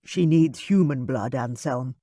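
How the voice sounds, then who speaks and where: A man voicing a weary male family doctor who speaks gravely and calmly in an audiobook. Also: mid-range voice, measured pace, no echo, clean studio sound, natural voice.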